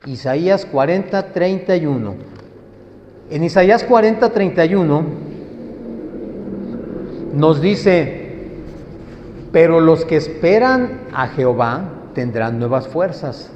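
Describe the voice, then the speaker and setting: Man preaching slow and emphatic, voice a bit high, lots of questions to the crowd, dull lo-fi sound. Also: expressive, darkish tone, a little hiss or hum. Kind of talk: sermon teaching. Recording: echoey hall, dull lo-fi sound.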